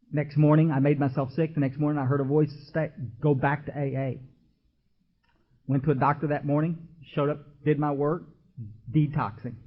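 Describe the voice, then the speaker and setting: Emotional man speaking at a podium. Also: a little high. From Texas. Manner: folksy, emotional, addresses the crowd directly. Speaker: recovery meeting speaker. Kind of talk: testimony talk at a podium. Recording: dull lo-fi archival tape.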